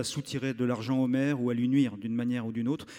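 Very fast, flat, monotone speech from a man at medium pitch, dark and mellow in tone, on a very clean recording with a silent background. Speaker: novelist reading his book aloud. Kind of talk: literary audiobook reading, solemn and flowing narration of a novel. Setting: stage with audience, musical reading.

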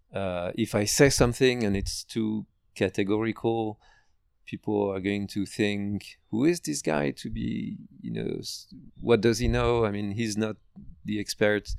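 A man speaks at a fairly slow pace with a French accent, his fairly low voice showing ordinary pitch variation. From France, Paris. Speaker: software developer. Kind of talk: casual chat.

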